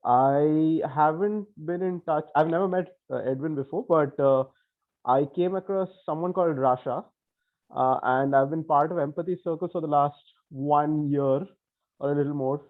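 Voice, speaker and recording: A man speaks over a thin, tinny phone line, his voice sitting a little high. He introduces himself casually and hesitantly, with plenty of filler sounds between thoughts. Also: normal speed. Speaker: participant in an online empathy circle. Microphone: phone call.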